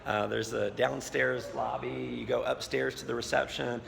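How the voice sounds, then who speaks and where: A hoarse American man with a gravelly, strained voice and a bright, forceful edge. He talks in an upbeat, casual way, with many fillers. His voice carries a long reverb from a hotel lobby, with faint noise underneath. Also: mid-range voice, level tone, normal speed. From United States. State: hoarse, has lost his voice. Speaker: host and network marketing coach. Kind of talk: casual video blog interview.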